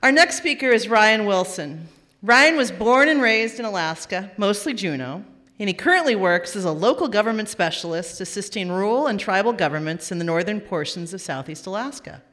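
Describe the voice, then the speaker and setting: A woman's voice: mid-range voice, lively intonation, normal speed, a bit bright. Woman emcee introducing the next speaker, formal, echoey hall. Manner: formal, announcing. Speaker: event host. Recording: long hall reverb.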